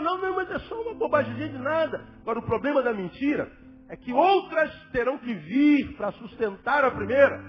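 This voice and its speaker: Brief: a high-voiced male pastor preaching with dramatic swings in volume, on a dull lo-fi tape. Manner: dramatic, swings between loud emphasis and near-whisper. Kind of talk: sermon. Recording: dull lo-fi with faint music.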